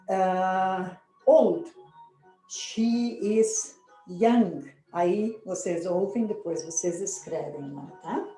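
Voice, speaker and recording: A Brazilian woman teaching English in Portuguese, reading English model sentences slowly and asking "né?" to check understanding. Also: lowish voice, mellow. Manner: slow, drawn-out model sentences with frequent "né?" checks. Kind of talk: online English lesson. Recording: echoey room with faint music.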